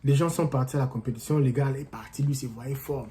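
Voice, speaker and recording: A man's voice: medium pitch, fairly even intonation, a little fast, mellow, slight background noise. A man talking casually and with animation to viewers he calls his friends, giving motivational advice and telling a story. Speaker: vlogger and coach. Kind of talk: casual motivational talk to camera. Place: living in the United States.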